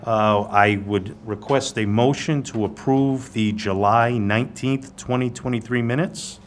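A man chairing a licensing board meeting, reading motions in a measured, procedural way. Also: medium pitch, fairly even intonation. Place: city hall hearing room. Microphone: table microphone. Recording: noisy government TV meeting audio.

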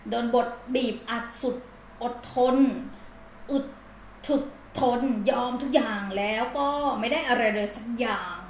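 A woman's voice: fairly high pitch, unhurried, a little hiss or hum. A woman doing a casual tarot reading, speaking bluntly and in slang as she dramatically acts out the listener's feelings. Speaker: tarot reader. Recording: roomy echo.

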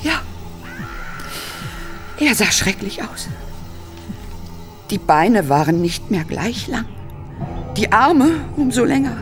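A woman playing an embittered, frightened Hollywood actress, telling her story in a halting, dramatic German horror radio play style. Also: on the high side, sing-song, music in the background. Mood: horrified.

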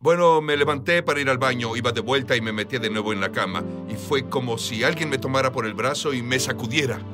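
A man's voice: mid-range voice, fast. A man giving an earnest, emphatic testimony as a guest in a dubbed interview, recorded as a studio voice-over with music underneath. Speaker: guest telling of a vision.

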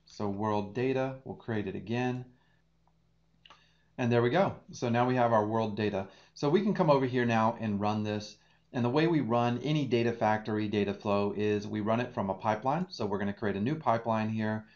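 This data engineering instructor is a man in his 30s with a lowish, somewhat dark voice and a moderate pace. Recording in a home office with slightly muffled sound, he walks viewers through a screen-share tutorial, narrating each click as he explains.

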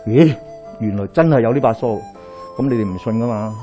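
Pacing and gesturing in front of a screen in a small indoor lecture hall, a middle-aged Daoist priest with a Hong Kong Cantonese accent tells lively stories and poses rhetorical questions to a live audience. His voice is medium-pitched and brisk, with faint music behind.

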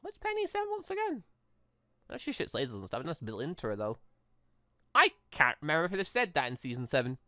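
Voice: mid-range voice, wildly swooping pitch, a little fast, bright, forceful tone, no echo, clean studio sound. A gaming host doing let's-play commentary, reading visual novel dialogue aloud with exclamatory, playful asides.

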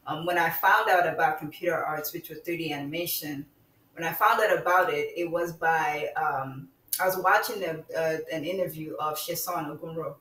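A young woman in her twenties, from Nigeria, talking as a guest in an interview in a reflective, relaxed way. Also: sits low, normal speed. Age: 20s. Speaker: guest, digital designer. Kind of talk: interview conversation. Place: room at home. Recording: roomy, distant mic with faint noise.

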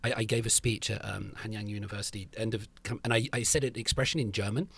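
A man's voice: fairly low pitch, fairly even intonation, quick pace, creaky, fairly bright tone, slight background noise. A man hosting a casual interview, asking curious, rambling questions. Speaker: host.

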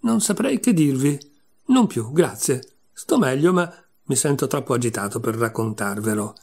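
A man's voice: medium pitch, expressive, moderate pace, creaky, a little mellow. A man voicing a small, shaken male lizard in a storybook reading, with a weak, hissing voice. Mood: dazed.

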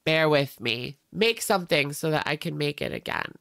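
A young woman with a low, smooth, clear voice talks through a reaction video in a chatty, sarcastic way. She sounds a bit stuffy-nosed. The recording is dry and close-miked. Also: expressive, moderate pace, fairly bright tone, dry recording. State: stuffy nose. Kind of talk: casual commentary.

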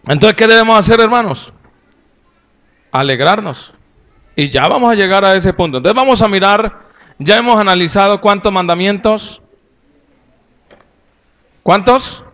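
Un hombre con acento colombiano predica un sermón con su propia voz, algo aguda y de timbre limpio y resonante. Habla de forma campechana y jocosa. Lanza preguntas y comentarios directos a los fieles. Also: male voice, high-pitched, unhurried, long pauses. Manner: folksy and humorous, with lively asides to the audience. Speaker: pastor. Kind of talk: sermon to a congregation.

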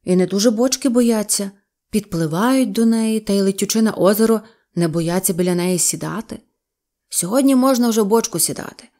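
A woman's voice: mid-range voice, a little fast, mellow, lightly acted. A woman voicing a tipsy, clumsy middle-aged male hunting buddy who blusters and slurs, in a storybook reading. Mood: calm.

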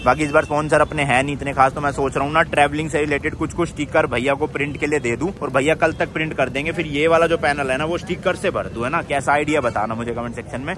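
A man's voice: medium pitch, a bit bright. A young man from India chats into a handheld camera while moving around outdoors and sitting in his car. His delivery is casual and upbeat. He speaks to viewers directly, like friends along for the ride. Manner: chatty, upbeat, addresses viewers as bhai. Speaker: travel vlogger. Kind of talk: casual vlog chat to camera. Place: outdoors on a city street and in a car. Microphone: handheld camera at arm's length.

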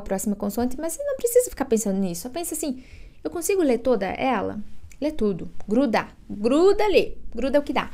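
A Brazilian woman in her thirties teaching an online English lesson. She says each word slowly, draws it out and repeats it, recorded on a webcam at a desk in a room at home. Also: high-pitched, darkish tone. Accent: Brazilian Portuguese. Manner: slow, drawn-out modeling of words, repeating each one.

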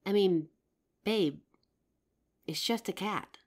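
A woman's voice: medium pitch, slow. A woman playing a loving, protective girlfriend in an intimate comfort roleplay, tender and earnest with some teasing. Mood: affectionate, teasing. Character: loving, protective girlfriend reassuring her partner. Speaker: audio roleplay performer.

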